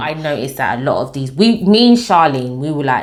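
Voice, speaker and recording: With a London accent, a woman speaks at a very deep, low pitch that makes very wide pitch swings, and audible room echo surrounds her voice. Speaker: vlogger. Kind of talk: casual storytime monologue.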